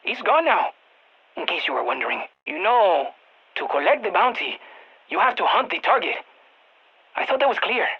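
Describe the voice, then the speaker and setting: An actor playing an excitable, nerdy male scientist with a Latino Spanish accent, wordy and theatrical, in video game radio lines. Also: high voice, moderate pace, long pauses, husky, dull audio, exaggerated voice. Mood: exasperated. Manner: theatrical, wordy, swinging between glee and exasperation. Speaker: mission scientist giving radio briefings.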